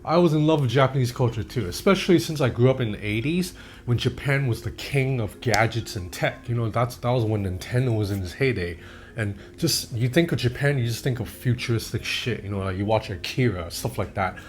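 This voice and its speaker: A man's voice: mid-range voice, a little fast. A man in his thirties from Hong Kong, giving a casual, candid phone review that drifts into personal asides and loose swearing. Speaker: tech reviewer.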